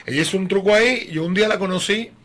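A man, a podcast guest chatting casually and telling an animated story full of acted-out voices. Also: high-pitched, very fast. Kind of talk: casual chat.

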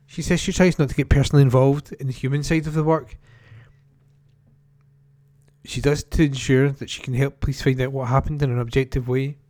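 A man with a mellow, dark-toned voice reads a news report aloud, even and plain. The recording is dry and close. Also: medium pitch, fairly quick, long pauses, dry recording. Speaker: newspaper article reader.

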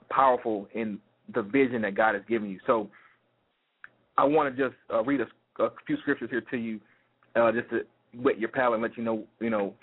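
A man's voice: medium pitch, husky. A man hosting an inspirational show, giving emphatic motivational Christian talk and repeating key phrases for weight. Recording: muffled, lo-fi radio-style audio.

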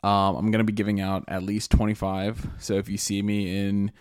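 Laid-back man, podcast co-host, low voice, sleepy and joking, dry close sound. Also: level tone, moderate pace, smooth, no echo. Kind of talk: casual chat.

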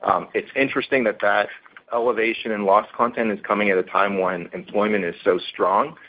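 A male company executive answering analyst questions on an earnings call, halting and often repeating words as he restarts. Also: fairly low pitch, fairly even intonation. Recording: tinny phone-line conference call.

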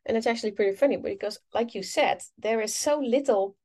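A woman's voice: a little high, fairly quick, noisy background. A woman with a Dutch accent, an English teacher hosting a casual interview, talking with frequent ums and you-knows. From Netherlands. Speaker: podcast host and English teacher.

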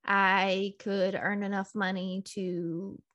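Woman, stand-up comedian, soft-spoken, casual interview talk. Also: mid-range voice, little pitch movement, slow, dull audio. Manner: soft-spoken, laughs often, thoughtful.

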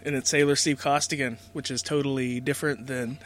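A man's voice: medium pitch, steady tone, fairly quick. A man co-hosting a podcast, giving a casual, conversational introduction. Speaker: podcast co-host. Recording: faint noise and hum.

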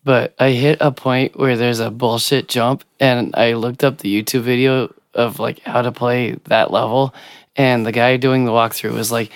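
A man chats as a podcast co-host in a medium-pitched, slightly worn-out voice. He is casual and wry. The sound is dry, with no room around it. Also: level tone, moderate pace, dry recording. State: voice worn out, has little voice left.

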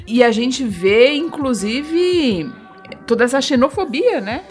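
A woman's voice: high-pitched, lively intonation, slow pace, faint music behind. A woman in a casual group chat making emphatic points and swearing freely. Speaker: discussion participant.

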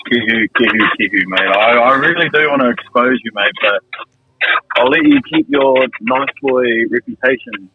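A man's voice: medium pitch, big pitch swings, moderate pace. A man calling in to a podcast for casual banter, with a blokey, matey, sweary way of talking. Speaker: podcast call-in guest. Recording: phone call with clear background noise.

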